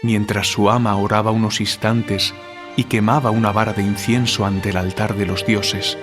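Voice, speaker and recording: A man playing a troubled, guilt-ridden writer in an audio drama, speaking in a solemn, deliberate, literary way. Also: lowish voice, level tone, music in the background, natural voice. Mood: solemn narrating.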